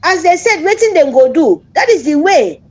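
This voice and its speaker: High-voiced woman in Nigerian Pidgin. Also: very animated, normal speed, low-quality recording. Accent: Nigerian Pidgin English. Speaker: caller. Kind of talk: call-in discussion.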